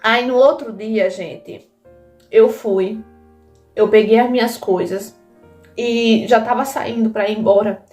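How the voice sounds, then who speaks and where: A woman's voice: on the high side, steady tone, slow, darkish tone, soft background music. A woman telling a dramatic first-person story to her listeners, emotional and direct, often calling out to them. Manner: emotional, addresses listeners as "gente".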